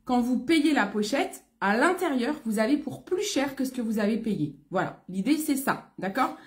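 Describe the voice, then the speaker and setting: Expressive and a little high-pitched at a normal pace, a French online beauty consultant chats through her casual live stream. She greets viewers by name while her throat is congested from a cold on the way.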